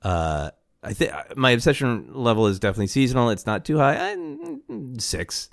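A man's voice: medium pitch, huge pitch swings, moderate pace, vocal fry, no room sound, studio quality. A man hosting a podcast in a casual, playful, wry chat. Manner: chuckles often, wry and playful. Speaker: podcast host.

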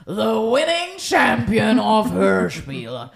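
A woman's voice: mid-range voice, big pitch swings, very slow, creaky, a crowd in the background. A woman co-hosting a podcast in casual banter, playful and jokey in how she talks. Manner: playful, jokey, drops in mock-English phrases. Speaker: podcast host. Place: indoors at a table in a home.

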